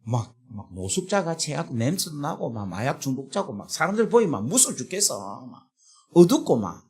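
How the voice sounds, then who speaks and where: A man with a Gyeongsang accent preaching a revival sermon at a prayer retreat, earthy and colloquial, at times breaking into shouts. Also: fairly high pitch, very animated, a little fast, husky. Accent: Gyeongsang Korean. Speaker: pastor.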